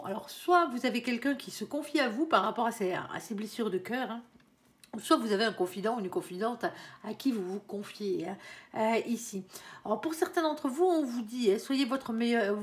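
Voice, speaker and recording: Chatty woman giving a tarot reading. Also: mid-range voice. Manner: chatty, sprinkles talk with "hein" and "alors"; addresses viewers directly, calls on her angel between draws. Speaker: tarot card reader. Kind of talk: casual tarot reading to camera.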